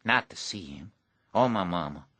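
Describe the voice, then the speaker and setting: A man's voice: low voice, animated, moderate pace, fairly bright tone, dry recording. A man voicing a neglected, bitter rural teenage boy with a blunt, grim drawl.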